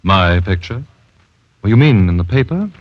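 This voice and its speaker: A man's voice: low voice, sing-song, moderate pace, no echo. An actor playing an easygoing, plainspoken young man in an old radio drama, recorded as a dull old radio broadcast. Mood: calm. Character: friendly young man, eerily calm stranger. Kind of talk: 1940s radio acting.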